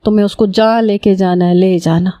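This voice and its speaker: A woman's voice: medium pitch, steady tone, warm tone, no room sound, clean studio sound, natural voice. A woman voicing an emotional young Pathan man who speaks Urdu with a Pashto accent and Pashto-style broken grammar. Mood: pleading.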